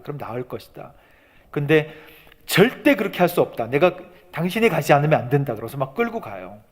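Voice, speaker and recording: A male pastor preaches a sermon in an animated, rhetorical style. His fairly high voice rises and falls constantly, and a long reverb from the church hall trails behind his words. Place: church sanctuary.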